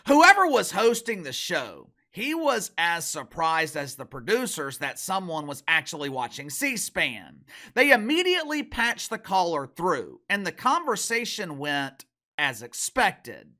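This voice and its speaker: A man's voice: high-pitched, wildly swooping pitch, a little slow, bright, forceful tone. A man, middle-aged, hosting online commentary in a sarcastic, mocking, emphatic manner. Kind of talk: opinionated commentary to camera.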